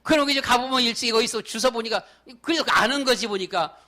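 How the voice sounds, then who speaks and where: A middle-aged male pastor delivers a sermon in an emphatic, conversational way, stacking up lists and repeating his points. His voice sits high for a man. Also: quick pace, sharp tone. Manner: emphatic, repetitive, conversational preaching.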